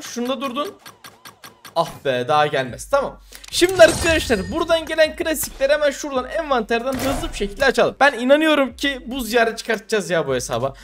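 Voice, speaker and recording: A man's voice: very high voice, a bit bright. A young man commenting casually on a mobile game, exasperated and cursing at his bad luck. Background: music.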